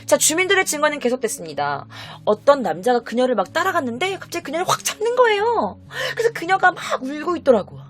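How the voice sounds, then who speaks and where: A woman host recounts a true-crime case in casual, chatty storytelling. Her voice is high and swings widely as she addresses viewers. Faint music plays underneath. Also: quick pace, hardly any pauses. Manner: animated, acts out quotes, addresses viewers.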